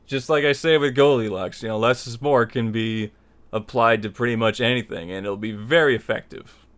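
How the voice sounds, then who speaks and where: A man's voice: mid-range voice, steady tone, normal speed, a bit bright, smooth. A man hosting a tutorial, explaining his opinions in a conversational, rambling way and repeating himself for emphasis. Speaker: tutorial series host. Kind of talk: informal spoken lesson, opinionated explanation.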